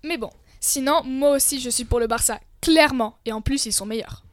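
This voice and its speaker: A young woman co-hosting a scripted debate show, lively and opinionated. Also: sits high, fairly quick, no echo. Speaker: co-host.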